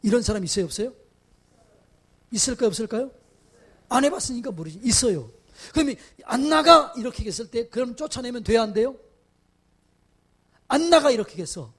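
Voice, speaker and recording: A male pastor preaching at a revival meeting. He questions the congregation and builds to loud exhortations. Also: extremely high pitch, lively intonation, quick pace, breathy edge. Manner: acts out quoted voices in dramatic asides. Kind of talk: revival sermon.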